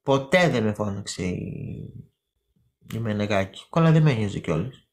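A woman's voice: a bass voice, lively intonation, a little mellow. Chatty woman gossiping on a live stream. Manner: gossipy, chatty, talks straight to viewers by name; repeats words and names for emphasis. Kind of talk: casual live-stream chat.

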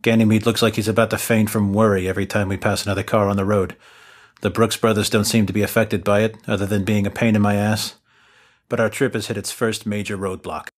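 A man's voice: lowish voice, level tone, fast. A young man narrating and playing his character in a tabletop game, with a dry, exasperated manner. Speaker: player narrating as main character.

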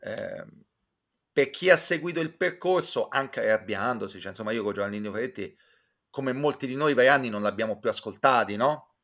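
A man with a creaky, fry-laden voice at a middling pitch. He talks like an opinionated intellectual guest in casual discussion, circling back to rephrase himself. He is speaking on a video call from a room at home. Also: lively intonation, a bit bright. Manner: intellectual, discursive, halting with repeated self-corrections. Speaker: guest commentator. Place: small room with bookshelves, at home. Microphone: computer mic on a video call.

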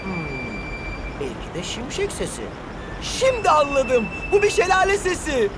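A very high, eager scout boy. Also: huge pitch swings, measured pace, heavy background noise, heavily acted. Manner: earnest, eager to show off. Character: eager know-it-all boy scout footballer. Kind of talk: Turkish cartoon dub. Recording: studio dub with music behind.

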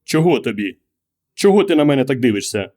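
A man reading an audiobook, voicing a quiet, withdrawn husband who gives terse, hesitant, muttered answers. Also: medium pitch, very animated, a little fast, natural voice. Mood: evasive. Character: quiet, withdrawn middle-aged husband, evasive. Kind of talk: audiobook character voice.

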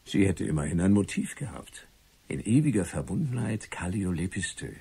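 An actor playing an inquisitive, wry writer turned amateur detective, musing and ironic, in a German radio crime drama. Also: male voice, deep voice, big pitch swings, moderate pace, creaky, mellow, husky, heavily acted. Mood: wry, speculative.

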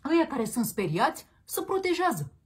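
A woman's voice: high voice, sing-song. A woman hosting a political commentary show, ranting in a combative, crude and mocking way. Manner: combative, crude and mocking, peppered with slang address.

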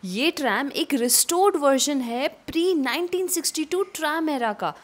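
A young woman narrating a travel vlog voice-over in a calm, informative storytelling manner. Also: high-pitched, normal speed. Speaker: travel vlogger.

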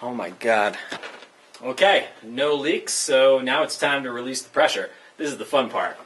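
A young man talks through his plumbing work in a relaxed, step-by-step way, his pitch sitting in the middle range. It is picked up on a camera mic inside a building under construction, with a faint hiss and clicks behind him. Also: normal speed. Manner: relaxed, explains step by step with fillers. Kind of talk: casual how-to narration. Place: indoors in a tire-walled building under construction.

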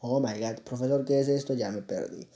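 A man's voice: medium pitch, brisk, dark tone, muffled recording, lightly acted. A man voicing a confused young student who complains of being lost, in a whiny, exasperated way.

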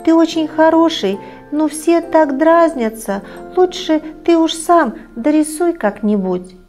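A woman's voice: lively intonation, unhurried, darkish tone, faint music behind. Woman doing a shy little eraser girl. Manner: high, pleading and indignant.

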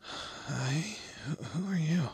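A man playing a weary, wry kidnapped guy in a roleplay audio drama, speaking haltingly and conversationally. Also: fairly high pitch, animated, gravelly, darkish tone, husky, dry recording, full character voice. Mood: confused, wary. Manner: hesitant, halting, sardonic.

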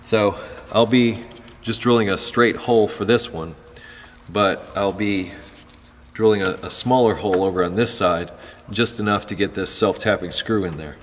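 At a moderate pace and fairly low pitch, a man calmly narrates a car repair step by step, talking as he handles parts and works with his hands. The tone is casual and relaxed, recorded with long reverb and faint background noise.

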